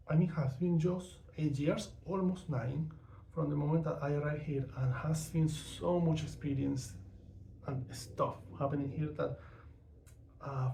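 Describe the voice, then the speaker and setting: Gravelly-voiced Venezuelan-accented man. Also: a little high, warm tone, roomy sound, slight background noise, low-quality recording. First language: not English or Spanish. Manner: outspoken, frank, with frequent fillers. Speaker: vlogger. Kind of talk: casual personal monologue.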